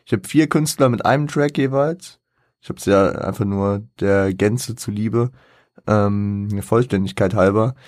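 A man's voice: fairly low pitch, darkish tone, no room sound, studio quality. A man hosting a casual solo podcast, rambling and thinking aloud with many fillers and self-corrections. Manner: thinks aloud and counts things off. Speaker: podcast host.

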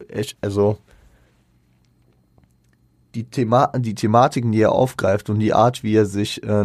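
A man with a lowish, mellow voice talks through a music review in a relaxed, casual way. He keeps restarting his sentences and filling pauses, dropping slang as he goes. The sound is dry and close. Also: no room sound. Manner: hesitant, many fillers and restarts; colloquial slang. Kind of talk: casual spoken album review.

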